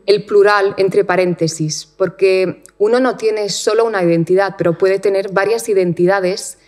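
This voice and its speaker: A woman researcher giving a conference talk in a lecture hall, measured, with frequent fillers and repeated words. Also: medium pitch, fairly even intonation, a little mellow.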